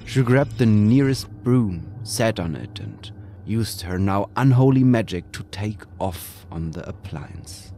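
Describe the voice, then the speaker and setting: A man narrating a scripted horror story in a slow, brooding way, sometimes dropping to a whisper. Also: lowish voice, sing-song, dark tone, slight background noise.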